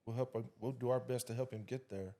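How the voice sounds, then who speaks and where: A man's voice: mid-range voice, fairly even intonation, fast, dark tone. Laid-back man in a casual interview. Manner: laid-back, talks in loose runs with "you know" and "man". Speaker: father of a young boxer, guest.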